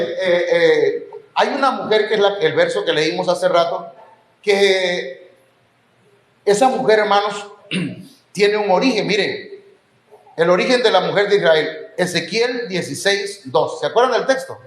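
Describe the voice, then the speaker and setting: A man's voice: high-pitched, a little slow. A man with a Mexican Spanish accent preaching a sermon in a church, with rising emphasis and the odd joke. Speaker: pastor. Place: church hall. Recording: echoey church hall.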